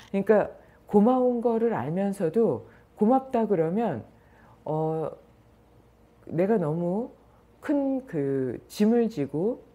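A woman's voice: deep voice, husky. A woman yoga and meditation teacher giving a spoken lecture, acting out everyday examples and chuckling between points. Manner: animated storyteller who acts out everyday examples.

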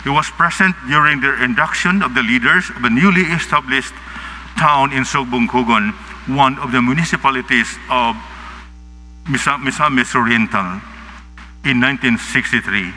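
A middle-aged man with a Filipino accent preaching a homily in short, halting phrases into a lectern microphone through a face mask. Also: mid-range voice, sharp tone. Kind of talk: sermon, partly read from notes. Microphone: gooseneck lectern microphone, speaking through a face mask. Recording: reverberant PA sound with clear background noise.

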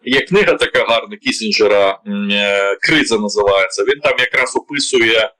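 Indignant man, bright forceful voice. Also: fairly low pitch, moderate pace, poor audio. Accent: Ukrainian. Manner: indignant, rhetorical questions, many filler sounds. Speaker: political commentator. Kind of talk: heated political commentary.

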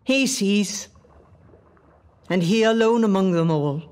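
Ancient nature spirit for poetic radio play: higher-pitched, very slow, elegiac, proud and mournful. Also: male voice, a little mellow, clear, resonant tone. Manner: deliberate, elegiac. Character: mournful ancient spirit of a spoiled wild lake shore. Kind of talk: poetic audio drama monologue.

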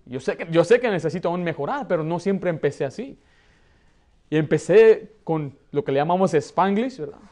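A man in his thirties who grew up in the United States, preaching a lively sermon from a pulpit with a Mexican Spanish accent. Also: fairly high pitch, normal speed. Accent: Mexican Spanish, learned in the United States. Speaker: pastor. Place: church hall, plain indoor room.

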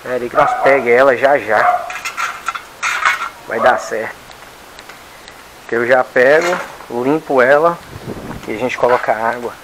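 A man's voice: medium pitch, a little slow, long pauses, very noisy. A man giving casual running commentary while he works with his dogs outdoors, coaxing and scolding them as he goes. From Brazil. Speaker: dog owner vlogger. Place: outdoor yard with dog kennels.

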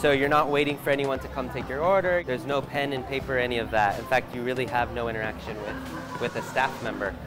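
Man in his 30s, on-location reporter, chatty walk-through, music playing behind, medium pitch. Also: steady tone, brisk. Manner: chatty, curious walk-through while shopping. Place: large indoor supermarket. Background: background music.

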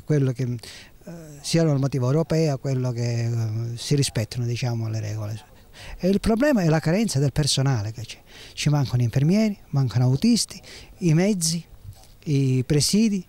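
A man in his fifties, a doctor with the ambulance service, talks into a reporter's handheld mic outside at night. His voice sits a bit high for a man, and his tone is blunt and urgent as he complains. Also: dark tone. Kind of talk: on-the-spot news interview. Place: outdoors at night beside an ambulance. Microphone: handheld reporter microphone.

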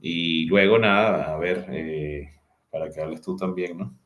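A man in his forties with a Venezuelan accent, telling his life story as a guest on a video call, unhurried and full of hesitant fillers. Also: low voice, fairly bright tone. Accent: Venezuelan Spanish. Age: 40s. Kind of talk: personal storytelling in an interview. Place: home room with a large window. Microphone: video call webcam.

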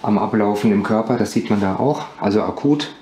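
Calm low-voiced man explaining in a roomy space. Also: brisk, slight background noise. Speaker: acupuncturist. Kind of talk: explaining to a patient. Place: small bright treatment room.

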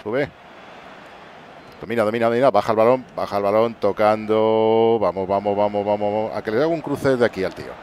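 A man with a fairly low voice narrates his own football game match like a mock sports commentator. He swings from quick muttering to bursts of loud cheering. A faint hiss sits under the home recording. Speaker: gaming channel host. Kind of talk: excited let's-play commentary. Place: home room at night.

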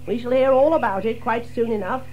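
An actor playing a kindly, sensible gentleman water rat, affable and chuckling, in a children's audio drama. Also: very high-pitched, a little fast, narrow, tinny audio, a little hiss or hum. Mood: wry.

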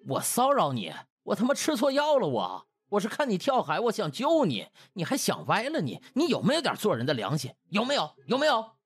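A male reader plays a brash young man in a comic audiobook, indignant and blustering. His slightly husky voice swings wildly in pitch and is recorded close and dry. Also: huge pitch swings, brisk, hardly any pauses, no echo, exaggerated voice. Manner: blustering, muttering, colloquial griping. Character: Duan Lang, brash, indignant, foul-mouthed young man. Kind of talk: dramatized comic web-novel audiobook.

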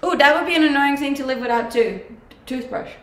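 Young Danish-accented woman streamer, slightly high voice, relaxed chat, echoey kitchen. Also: brisk. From Denmark. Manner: relaxed, chatty, laughs often. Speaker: livestreamer. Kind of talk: casual chat reading viewer comments. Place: home kitchen, indoors. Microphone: webcam at desk distance. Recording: echoey kitchen with faint background hum.

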